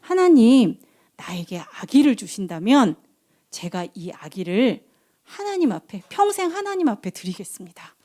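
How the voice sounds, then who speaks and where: A woman's voice: on the high side, sing-song, moderate pace, warm tone. A woman voicing a sorrowful young woman praying tearfully in a storytelling sermon for children. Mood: pleading.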